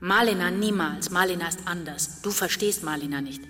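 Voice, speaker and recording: A woman's voice: lowish voice, moderate pace, pushed and bright. An actress playing a woman writer who sharply rebukes an absent lover in a radio-drama inner monologue. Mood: sharp, defensive. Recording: long reverberant hall effect.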